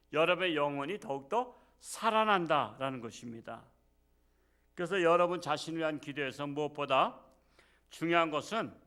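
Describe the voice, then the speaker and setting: A middle-aged male pastor giving a sermon, swinging from loud, slow scripture reading to soft, chatty, teasing asides with the congregation. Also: fairly high pitch. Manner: plain-spoken, teasing, talks down-to-earth with the congregation.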